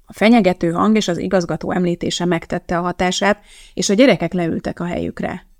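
A woman reading a novel aloud in a measured, even audiobook narration. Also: on the low side, dry recording, studio quality.

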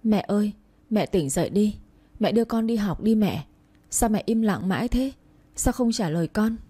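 A woman voicing a grieving young girl who shouts and sobs at the adults around her. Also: mid-range voice, expressive, moderate pace, breathy edge. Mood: sobbing. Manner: pleading, crying outbursts.

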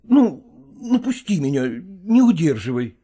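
A nervous, evasive male actor in an audiobook, sighing and hedging as he tries to slip away, read by a man. His voice sits low and mellow, rising and falling expressively. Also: very animated, unhurried, breathy edge, exaggerated voice. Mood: weary.

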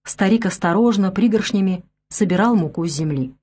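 Woman narrator, steady clear storytelling, mid-pitched, audiobook read. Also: fairly quick.

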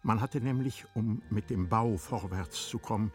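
A man narrating a literary radio drama in a measured, formal storytelling manner. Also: fairly low pitch, a little mellow, faint music behind.

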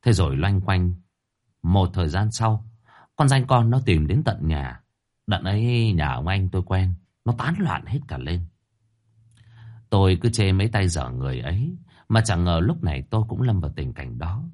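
A man reading a first-person story aloud with expressive, dramatic delivery. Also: sits low, normal speed.

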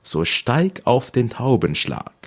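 A man voicing two kindly white doves in a fairy-tale reading, with a gentle, sing-song manner and a husky voice. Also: mid-range voice, very animated, takes it slowly, voice pushed up, heavily acted.

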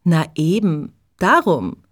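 A woman's voice: lowish voice, very animated, takes it slowly, dry recording, studio quality, full character voice. A woman voicing a playful, mischievous young German woman visiting her friend. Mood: friendly.

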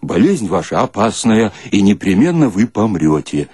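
A man's voice: lowish voice, big pitch swings, moderate pace, darkish tone, husky, no echo, clean studio sound, voice pushed down. A man voicing a solemnly blunt opera doctor in mock song for a comic radio story.

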